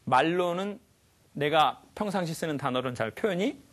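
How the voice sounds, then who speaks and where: A man giving a lively life lecture to a live audience, often asking them questions and acting out sounds. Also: fairly high pitch, moderate pace. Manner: animated, asks the audience questions, acts out sounds.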